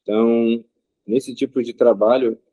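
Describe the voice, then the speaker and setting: A man, an interview guest speaking in a measured way with frequent pauses and filler sounds. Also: medium pitch, steady tone, warm tone, no echo, highs cut off. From Rio de Janeiro state, Brazil. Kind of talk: casual interview answers.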